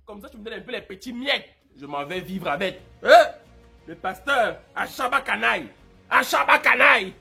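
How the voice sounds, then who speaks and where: A man doing comic commentary as a YouTuber, excitable and mock-adoring, breaking into shouts. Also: high-pitched, moderate pace, vocal fry, soft background music.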